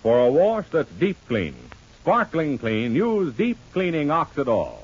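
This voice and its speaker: A man's voice: huge pitch swings, a little slow, husky. A man announcing and selling soap in the emphatic style of an old-time radio show, heard through an old muffled radio transcription. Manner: emphatic sales pitch.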